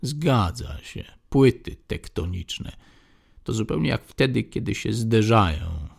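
A man's voice: lowish voice, sing-song, takes it slowly, gravelly, slightly rough, full character voice. A man reading an audiobook, voicing an old male prison inmate who gives cryptic, ominous warnings. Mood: knowing. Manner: ominous, knowing. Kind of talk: audiobook character voice.

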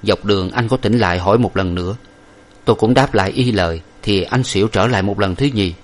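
A man's voice: fairly low pitch, lightly acted. A man voicing a composed male friend who speaks politely and formally. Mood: measured. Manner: formal, measured.

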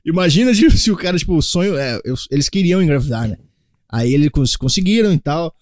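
A man's voice: on the high side, expressive, quick pace, a little mellow, no echo, studio quality. A man co-hosting a casual comedy podcast, telling stories and acting out quotes for laughs. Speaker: podcast co-host.

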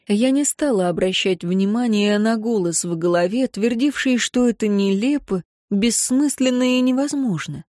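Woman reading a calm first-person audiobook. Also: medium pitch, no room sound, clean studio sound. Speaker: audiobook narrator.

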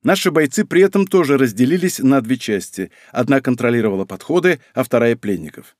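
Lively male audiobook narrator, dry sound. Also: medium pitch, brisk, no room sound. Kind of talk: first-person audiobook narration.

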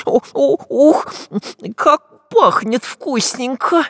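A man's voice: extremely high pitch, extremely slow, fairly bright tone, no room sound, clean studio sound, pitched above the performer's own voice, full character voice. A man voicing a whiny, cowardly, long-nosed male spy in a nasal, whimpering voice.

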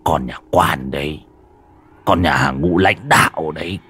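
A man playing a gruff, boastful old male shaman who barks his lines. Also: rumbling low, unhurried, pushed and bright, voice pushed down, exaggerated voice.

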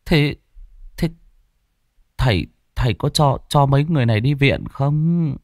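Man playing timid village man, stammering, hesitant, slightly raised pitch. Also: animated, unhurried, darkish tone, no echo, clean studio sound. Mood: anxious.

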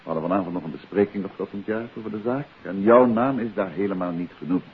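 Acteur als beheerste speurder, lage stem, oude radio. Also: male voice, deep voice, fast talker, lightly acted. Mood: reassuring. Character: composed, courteous male private detective questioning people. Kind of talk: 1950s Dutch radio drama acting. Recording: hissy, narrow-band 1950s radio recording.

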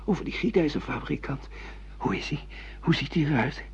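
A man's voice: fairly high pitch, lively intonation, normal speed, gravelly, slight background noise. A man acting a bewildered, sardonic middle-aged amnesiac husband in a Dutch radio play, with theatrical, ironic delivery. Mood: uneasy. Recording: muffled lo-fi radio play recording.

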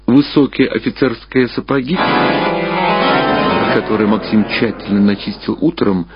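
A man with a fairly low voice narrates literary fiction in a measured, expressive, dramatic way. The sound is a little muffled, with music clearly playing behind him. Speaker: audiobook narrator. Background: clear background music.

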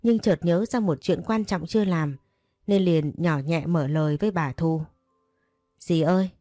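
Woman reading a story out calm and even, mellow low voice. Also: normal speed, dry recording. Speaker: narrator. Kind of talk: scripted first-person story narration. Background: faint music.

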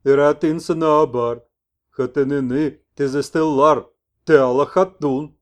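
A man voicing an old toothless shaman messenger who speaks in broken phrases and loud chanted exclamations. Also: fairly high pitch, fairly even intonation, a little slow, natural voice. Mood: chanting.

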